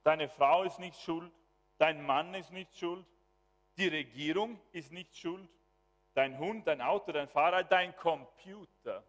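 A man preaching a sermon as pastor, swinging from quiet asides to loud exclamations. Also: a little high, slow. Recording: long hall reverb.

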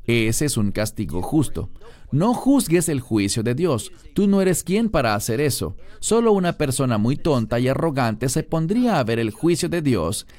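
A man's voice: mid-range voice, big pitch swings, moderate pace, darkish tone. A man preaching a sermon verse by verse, reading scripture and then explaining it. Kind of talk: expository sermon.

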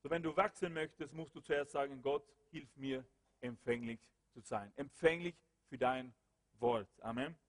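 A man preaching a sermon and praying aloud, with impassioned calls that drop to low murmurs. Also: normal speed. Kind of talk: sermon with prayer. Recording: long hall reverb.

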